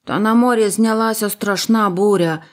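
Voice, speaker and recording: A woman's voice: medium pitch, moderate pace, natural voice. A woman doing quarrelsome young bird brothers. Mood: earnest, arguing. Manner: earnest, arguing.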